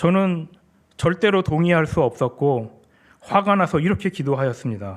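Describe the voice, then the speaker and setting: With an ordinary speaking voice, a man talks at a moderate pace, his fairly high pitch carried by lively intonation. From Seoul, South Korea. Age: 40s. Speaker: church member. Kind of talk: testimony. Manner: formal.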